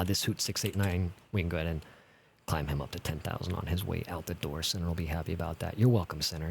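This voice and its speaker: A man's voice: fairly low pitch, a little mellow. A man streaming an air traffic control simulator, thinking aloud casually in running commentary full of radio-style jargon. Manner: casual, thinking aloud, swearing now and then. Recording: clear background noise, keyboard clicking and typing. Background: keyboard typing and clicks.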